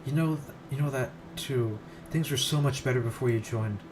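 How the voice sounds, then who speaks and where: A man with a natural, medium-pitched voice at a moderate pace performs a despairing teenage schoolgirl standing on a rooftop ledge. He pleads and stumbles over the text, with background noise behind him.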